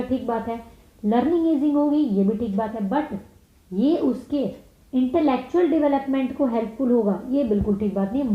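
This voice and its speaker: A woman with an Indian accent, a teacher working through exam questions, reading each one out slowly and then explaining it quickly. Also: a little high. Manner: reads English slowly, explains fast in Hindi. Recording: echoey dull room sound.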